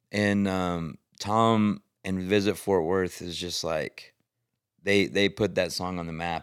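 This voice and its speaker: A man with a West Texas accent, very deep and low pitch, monotone flat intonation, fairly slow pace, very clean recording with a silent background. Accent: West Texas, audible in speech. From West Texas (Paducah, near Lubbock). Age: 30s. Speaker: musician, band frontman. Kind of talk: casual chat.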